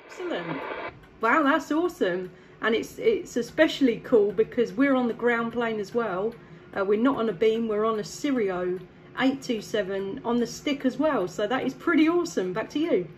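A woman's voice: on the high side, expressive, moderate pace, low-quality recording. An English woman from the south east chatting over CB radio, friendly and upbeat, handing back with "back to you". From south east England. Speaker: CB radio operator. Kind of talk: casual radio chat.

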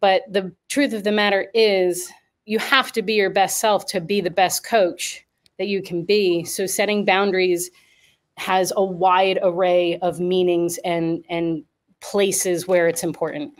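A woman's voice: fairly low pitch, flat delivery, unhurried. A woman co-hosting a coaching podcast, speaking earnestly and rambling through her points with many fillers in casual discussion.

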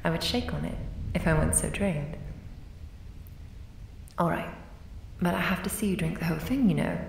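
A woman voicing a lovesick female ghost in an audio roleplay, whispering softly and intimately as she turns quietly sinister. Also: on the low side, normal speed, slight background noise. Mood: teasing. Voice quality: soft breathy whisper. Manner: intimate, doting, calmly sinister. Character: lovesick female ghost, tender yet deadly. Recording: roomy, distant mic.

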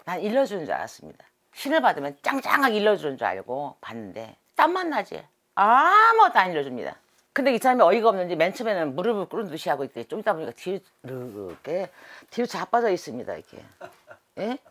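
A middle-aged woman, a shaman, telling stories from her past in an animated, dramatic way during an interview. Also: fairly low pitch, fast. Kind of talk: storytelling interview.

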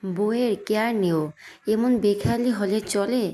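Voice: medium pitch, steady tone, normal speed, warm tone, natural voice. A woman voicing a family doctor who lectures a careless young husband in an audio story. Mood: lecturing. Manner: lecturing, matter-of-fact.

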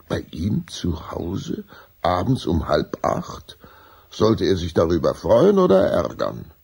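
A storybook narrator, tells a children's audio drama with deliberate suspense. The voice is low and husky, slow in pace, and swings widely in pitch. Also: male voice, a little mellow, heavily acted. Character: measured storybook narrator of a vampire tale.

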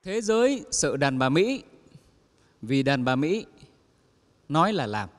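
A man's voice: a little high, big pitch swings, slow pace, big-room sound, a little hiss or hum. A man telling a string of comic stories to an audience, acting out the quoted lines. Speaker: comedian telling jokes. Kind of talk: stand-up joke telling.

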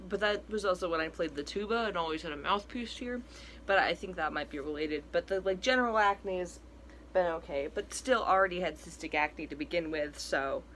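Chatty young trans man, bright voice. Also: sits high, slight background noise. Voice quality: voice cracking now and then. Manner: chatty and rambling, many fillers and restarts. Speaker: vlogger. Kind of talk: casual personal update vlog. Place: small room indoors at home.

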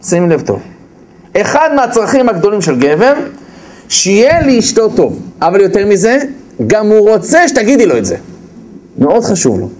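A man's voice: high voice, low-quality recording. A man giving a humorous lecture on marriage to a live audience, acting out spouses' lines and repeating key phrases for emphasis. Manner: animated, acts out spouses' lines in quick put-on voices. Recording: live audience audible in the background.

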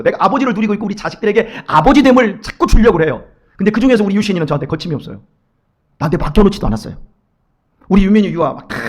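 High-voiced, fast, animated male preacher. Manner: animated, acts out his children and God in quoted voices. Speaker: pastor. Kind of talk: lively sermon with acted quotes. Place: church sanctuary.

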